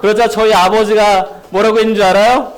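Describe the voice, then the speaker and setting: A man's voice: sits high, fairly quick. A man, a children's pastor, giving a sermon at a children's church service. He tells stories and keeps asking the kids questions. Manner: animated storytelling that asks children questions.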